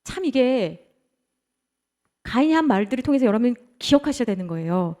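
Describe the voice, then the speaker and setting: High, animated woman preaching a sermon. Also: a little fast. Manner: animated, acts out quoted dialogue with rhetorical questions. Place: church.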